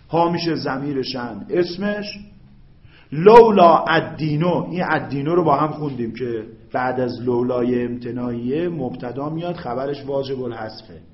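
A man teaching a grammar class, explaining slowly and quizzing his students with questions. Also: medium pitch. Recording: echoey room, dull lo-fi sound.

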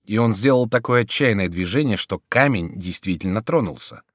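A man narrating an audiobook in an expressive, animated storytelling manner. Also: on the low side, brisk, dry recording. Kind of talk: scripted narration. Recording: dry studio audiobook.

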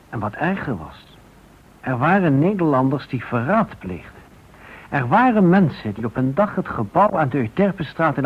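A grave male storyteller narrates a scripted radio play in a husky, mid-pitched voice, pausing deliberately. The sound is narrow and lo-fi, almost like a telephone.

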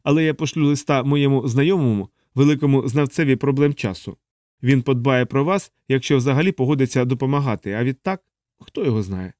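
A man's voice: mid-range voice, fairly quick, darkish tone, no echo, studio quality, lightly acted. A man voicing a fussy male alien helper who lectures at length, in an audiobook. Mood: urgent. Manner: didactic, explaining at length. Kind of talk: audiobook character voice.

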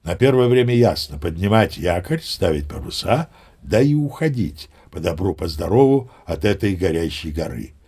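A man's voice: low voice, very animated, moderate pace, darkish tone, husky, heavily acted. An actor playing a seasoned, boastful old sea captain who tells his yarns in a chatty, emphatic, theatrical way. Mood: musing. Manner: chatty, folksy, self-assured, emphatic. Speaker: narrator. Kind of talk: theatrical first-person storytelling, audio play.

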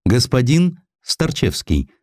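A man's voice: medium pitch, very animated, slow pace, darkish tone, dry recording, pitched above the performer's own voice. A pompous aristocratic official of an audiobook historical tale, played by a male reader. He is grand, condescending and effusive, with widely swinging intonation in a dry recording. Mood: teasing. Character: pompous, excitable aristocratic male censorship chief. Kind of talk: audiobook character acting.

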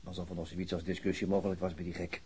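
Tired wounded cop dad in a radio drama, sardonic n gloomy, really husky, low mellow voice. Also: male voice, level tone, fast talker. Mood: bitter, brooding. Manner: subdued, weary, sardonic, hesitant. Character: gloomy, wry wounded policeman, father recovering in hospital. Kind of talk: naturalistic radio play acting.

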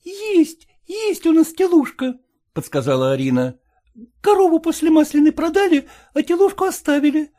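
A woman's voice: high-pitched, very animated, moderate pace, dark tone. A woman voicing an eager, impatient young peasant woman who presses and pleads in folksy speech. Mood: fretful.

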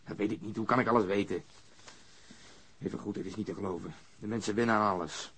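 An actor playing an irritable, cynical police detective in a radio drama, impatient and grumbling. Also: male voice, lowish voice, quick pace, fairly bright tone, slightly rough. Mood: irritated. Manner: grumbling, sardonic.

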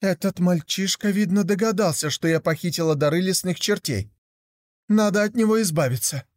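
Cunning woman, honeyed, slow, raised voice, read by a man. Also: high-pitched, no echo, studio quality, pitched above the performer's own voice, close to an everyday voice. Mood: scheming. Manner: slow, honeyed and falsely kind. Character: cunning sweet-talking woman, an aunt.

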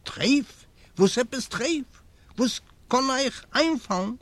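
A male audiobook reader voicing a fussy, pious old man who is easily startled and talks in quick exclamations and questions. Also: very high-pitched, expressive, a bit bright, no room sound, voice pushed up, full character voice. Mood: startled protest. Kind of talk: audiobook character voice.

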